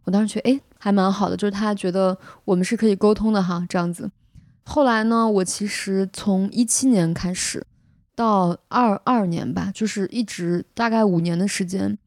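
A woman's voice: medium pitch, fairly even intonation, normal speed, darkish tone, dry recording. A young woman hosting a podcast, telling a personal story in a casual, earnest and emotional way with vivid detail. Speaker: podcast host.

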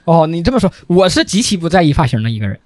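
A man's voice: on the high side, very fast, no echo, studio quality. A young man, co-hosting a podcast and telling stories in a slangy, joking way. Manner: animated storyteller, slangy and joking. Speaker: podcast co-host. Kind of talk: casual chat.

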